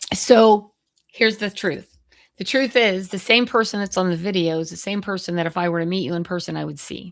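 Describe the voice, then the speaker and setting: A woman at a medium pitch talks fairly quickly in an animated tone with ordinary pitch variation, recorded very cleanly against a silent background. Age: 60s. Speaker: real estate agent. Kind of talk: podcast interview. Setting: live video podcast.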